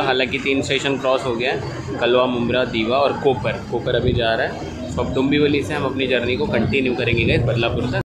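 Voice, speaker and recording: A young man, a travel vlogger, chatting through a running commentary on a train ride, recorded on a phone held close. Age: young adult. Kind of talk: casual travel vlog narration. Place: inside a moving train. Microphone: phone camera held close. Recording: loud train rumble and wind on the mic.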